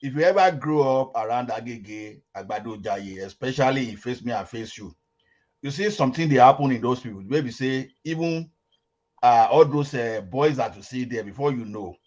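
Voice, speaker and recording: A man from Lagos speaks at a middle pitch on a muffled online call. He pushes his argument emphatically, stopping and restarting, and repeats words. Pidgin phrases slip into his sentences. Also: a little mellow. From Lagos, Nigeria. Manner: emphatic, halting, repeats himself, mixes in pidgin. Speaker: discussion participant. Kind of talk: heated group chat on a call.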